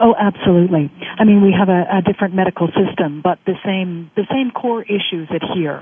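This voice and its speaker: A woman with a normal speaking voice talks at a fairly quick pace. Her pitch is medium, with ordinary pitch variation. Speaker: lawyer and civil liberties advocate. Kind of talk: interview on talk radio.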